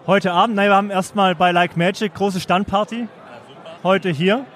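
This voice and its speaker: A man's voice: high voice, fairly even intonation, normal speed, fairly bright tone. A man from the Stuttgart area hosting a podcast at a trade fair lounge, chatting casually and jokingly with plenty of fillers. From Germany, Stuttgart area. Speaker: podcast host. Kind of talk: casual chat interview.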